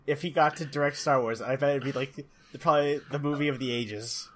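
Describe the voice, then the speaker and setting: A young man in a casual podcast chat, telling animated stories. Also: medium pitch, a little fast, background noise.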